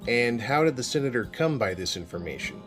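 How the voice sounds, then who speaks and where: A steady police sergeant with a mid-range voice, polite yet pushing for answers. Faint music plays under this audio drama. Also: male voice, mid-range voice, brisk. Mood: persistent. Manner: calm, polite, insistent. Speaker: police investigator.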